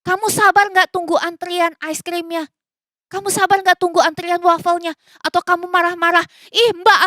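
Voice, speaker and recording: A woman giving a children's sermon, animated and coaxing with questions, mixing in English phrases. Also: very high-pitched, no echo. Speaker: children's church teacher. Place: church recording.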